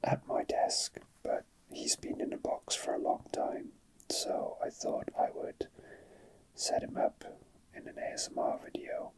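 Whispering man, slow ASMR delivery. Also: poor audio. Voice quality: soft, breathy whisper. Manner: slow, hesitant, unhurried. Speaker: ASMR video creator. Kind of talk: whispered ASMR, casual chat with read-out facts.

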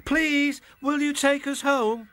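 A man's voice: very high voice, fairly even intonation, takes it slowly, bright, forceful tone, voice pushed up, heavily acted. A man voicing a group of eager young schoolchildren in a storybook reading, in a pleading way. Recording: music playing behind.

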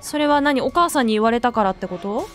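A woman gamer gives horror game commentary in a high voice that leaps all over the place. She is jittery and jokey and breaks into frightened shrieks. Faint game music plays underneath. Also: lively intonation, fast talker, a bit bright. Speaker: let's play gamer.

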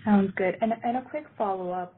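A woman's voice: mid-range voice, a little fast. A woman asking a follow-up question on a conference call as a financial analyst. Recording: faintly noisy narrowband phone line.

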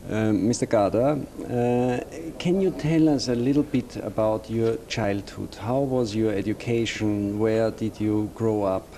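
A man asking interview questions slowly, pausing often with ums. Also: lowish voice, warm tone. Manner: slow, halting questions with many ums.

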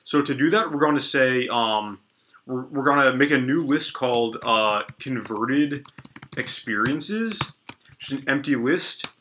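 Bright-voiced young man with allergy sniffles. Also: medium pitch, unhurried. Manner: relaxed, lots of ums and restarts, thinks aloud while typing. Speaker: coding tutorial host. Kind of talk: casual screen-recorded coding tutorial. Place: small indoor room at a desk.

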